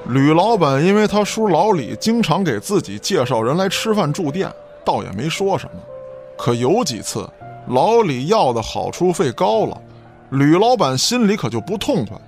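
Lively male audio drama narrator. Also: fairly high pitch, normal speed. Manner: expressive, colloquial storyteller. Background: light background music.

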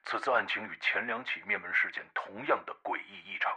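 A man playing a formal, brisk news anchor reading a crime report in an audio drama. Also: fairly low pitch, bright, forceful tone, breathy edge, heavily acted. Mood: grave, formal.

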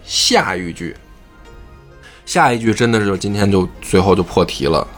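A man who hosts a podcast, retelling a classic novel in animated, colloquial chat and swearing freely. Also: fairly low pitch, normal speed, faint music behind. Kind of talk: casual storytelling chat.

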